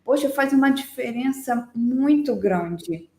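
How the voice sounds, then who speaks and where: A woman's voice: high voice, animated, takes it slowly, mellow, echoey room. A woman hosting a podcast in casual chat, speaking earnestly and acting out what parents and children say. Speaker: podcast host.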